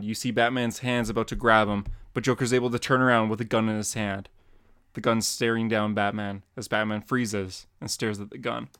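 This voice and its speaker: Man narrating comic panels, mid-pitched. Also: a bit bright, clear, resonant tone. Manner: plain descriptive narration with sound effects. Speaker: podcast co-host.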